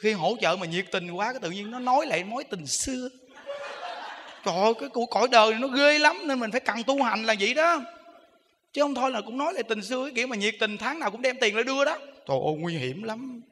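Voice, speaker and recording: A male Buddhist monk with a Southern Vietnamese accent gives a sermon in a high, bright voice. He talks in a humorous, chatty way and keeps asking his listeners rhetorical questions. His voice rings with long reverb in an echoey hall. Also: animated, fast talker, slight background noise. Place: temple hall.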